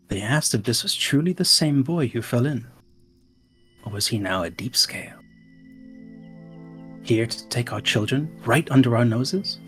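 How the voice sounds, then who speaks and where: A man playing a tabletop game, telling an ominous story in character with a slow, dramatic delivery. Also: mid-range voice. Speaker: player.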